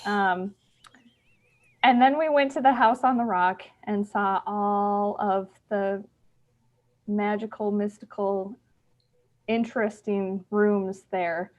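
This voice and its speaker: A woman's voice: mid-range voice, fairly even intonation, slow pace, long pauses. A young woman spins a wry, self-amused anecdote in an ordinary mid-range voice. The stage audio is a little muffled and dull, and she chuckles as she goes. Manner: wry, laughing storyteller. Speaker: improv monologist. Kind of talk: comic storytelling monologue. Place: theater stage.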